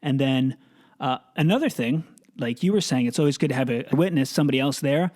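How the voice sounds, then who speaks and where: Relaxed male podcast host. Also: medium pitch, fast. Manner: relaxed, conversational, uses filler words. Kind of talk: casual chat and narration.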